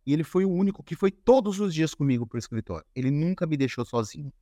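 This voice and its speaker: A man as a podcast guest, telling stories in a relaxed, conversational way with frequent restarts and fillers. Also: fairly high pitch, fast talker, no room sound, clean studio sound. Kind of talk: casual conversation.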